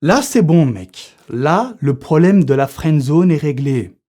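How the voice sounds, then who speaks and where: A man's voice: on the high side, big pitch swings, slow, mellow. A man giving comic seduction advice straight to the viewer, slangy and mock-serious, talking in one unbroken take. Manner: slangy, addresses viewer as buddy; unscripted one-take delivery, checks notes live. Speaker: comedic seduction-advice youtuber. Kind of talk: mock-serious coaching monologue.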